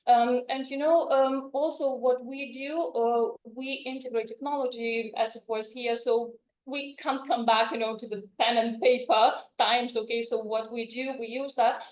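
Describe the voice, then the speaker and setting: A woman's voice: on the high side, steady tone, normal speed. A woman from Lithuania, a native Lithuanian speaker and language educator, giving a chatty, informal conference talk full of "you know" fillers. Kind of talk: conference presentation. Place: conference room. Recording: echoey conference room.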